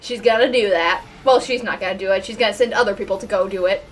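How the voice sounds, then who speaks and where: A woman's voice: mid-range voice, fast talker, faint music behind. A woman giving casual, sarcastic, sweary commentary as host of a reaction video.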